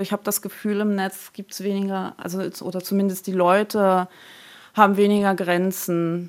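A woman speaks at a moderate pace in a medium pitch with monotone, flat intonation and big swings in loudness, on a very clean recording with a silent background. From Germany (Saxony), born in Kazakhstan. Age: 30s. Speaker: skincare influencer. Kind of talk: interview testimony.

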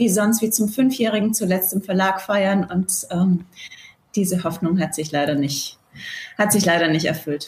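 A woman talks with ordinary pitch variation. It is an ordinary speaking voice. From Bavaria, Germany. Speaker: children's magazine editor-in-chief. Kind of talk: interview.

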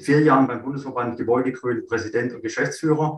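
A man's voice with ordinary pitch variation. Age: 50s. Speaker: biologist and head of a green-building trade association. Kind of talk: expert interview. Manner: hesitant, frequent filler sounds.

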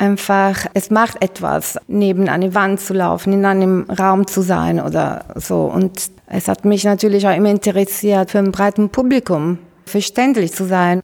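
A woman with an Italian accent, talking at a fairly slow pace in a monotone, flat intonation. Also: medium pitch for a woman, hardly any pauses. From northern Italy, Brescia. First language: Italian (speaking German). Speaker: artist and sculpture professor. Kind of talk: interview. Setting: artist's studio. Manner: hesitant, many fillers.

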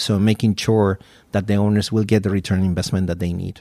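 Speaking at a fairly quick pace with a Spanish accent, a man with a fairly low voice keeps a monotone, flat intonation on a very clean recording with a silent background. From Chile. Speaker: hospitality designer. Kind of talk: interview. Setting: office.

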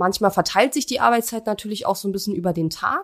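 A woman in an unremarkable speaking voice talks at a fairly quick pace, at medium pitch and with ordinary pitch variation. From Prignitz, Brandenburg, northeastern Germany. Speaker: podcast host, online course entrepreneur. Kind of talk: solo podcast monologue. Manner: casual, with frequent fillers.

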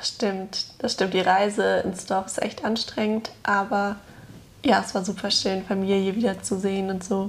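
Somewhat breathy delivery at a moderate pace with fairly even intonation. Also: woman. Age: 20s. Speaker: law student, podcast co-host, author. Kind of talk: casual chat. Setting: studio sofa.

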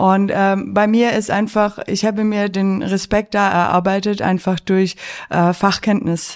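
Speaking at a fairly slow pace, a woman keeps a medium pitch and a monotone, flat intonation. Her loudness is very even. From Allgäu, Bavaria. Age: 30s. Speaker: agricultural engineer. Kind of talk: interview. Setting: press centre at trade fair.

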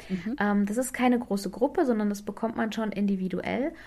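The woman's voice is fairly high, somewhat breathy, and dark and mellow in tone. She speaks at a moderate pace with ordinary pitch variation. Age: 30s. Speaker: life coach for mothers. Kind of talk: interview.

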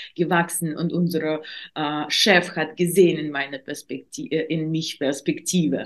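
Slow-paced and fairly even in intonation, a woman with a Russian accent speaks in a very deep, low pitch. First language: Russian (speaking German). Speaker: social media coach and entrepreneur. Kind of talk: podcast interview. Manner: halting, many fillers.

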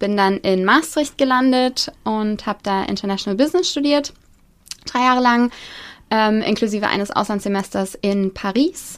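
Her voice is an unremarkable speaking voice, fairly high for a woman, with ordinary pitch variation and a moderate pace. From Germany, Kassel (northern Hesse). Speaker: hotel managing director. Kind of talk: interview. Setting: radio studio.

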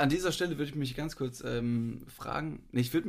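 A man with vocal fry talks at a fairly quick pace, his pitch varying in an ordinary way. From Bavaria. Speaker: podcast co-host. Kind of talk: casual chat. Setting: studio.

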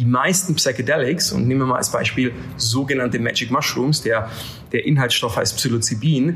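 A man with a medium pitch talks in an animated tone with ordinary pitch variation. The room echo is audible and there is noticeable background noise. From Bavaria, Germany. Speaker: investor and serial founder. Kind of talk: interview. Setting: remote call from Miami. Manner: animated, many fillers.

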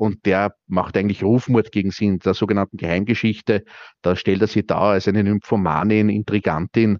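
With an Austrian accent, a man speaks at a fairly low pitch in a monotone, flat intonation, his loudness very even. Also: moderate pace. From Lower Austria. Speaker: historian. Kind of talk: interview.

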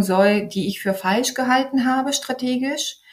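A somewhat breathy woman speaks with a Bulgarian accent on a very clean recording with a silent background. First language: Bulgarian (speaking German). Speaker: entrepreneur. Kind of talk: podcast interview. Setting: office.

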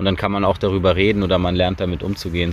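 A man speaks in a very deep, low voice. His delivery is flat and monotone at a very fast clip. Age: young. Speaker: youth parliament member. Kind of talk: casual group interview.

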